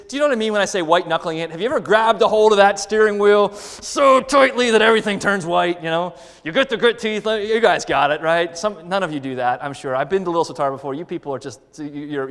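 Guy preaching in a church, high voice, talks to the crowd a lot, bit of hall echo. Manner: animated, conversational, asks the congregation questions. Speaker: guest preacher. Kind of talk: sermon.

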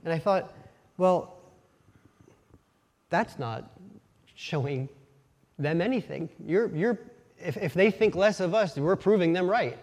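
A man's voice: sits high, lively intonation, slow, long pauses, a little mellow. A man from Pennsylvania with a light Pennsylvania Dutch accent, giving a casual, folksy sermon full of personal stories and self-deprecating asides, often restarting his sentences. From Pennsylvania, USA. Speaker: lay preacher. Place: church sanctuary. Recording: long church reverb.

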